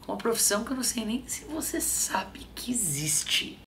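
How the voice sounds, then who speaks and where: A woman's voice: a little high, big pitch swings, normal speed, over loud music. A woman hosting a studio interview, opening the episode and prompting her guest with engaged questions. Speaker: interviewer and host. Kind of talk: conversational interviewing. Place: bright studio set with sofa. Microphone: lapel mic.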